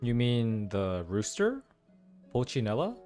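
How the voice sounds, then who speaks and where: A young man giving casual, slangy play-through reactions as an excitable gaming fan. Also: mid-range voice, slow pace. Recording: game music behind voice.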